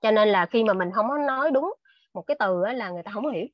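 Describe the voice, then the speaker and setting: In a slightly high, animated voice, the invited speaker talks quickly and earnestly, giving advice on a casual video call. Fillers and restarts fill her speech. The recording is dry, with dull, lo-fi call audio.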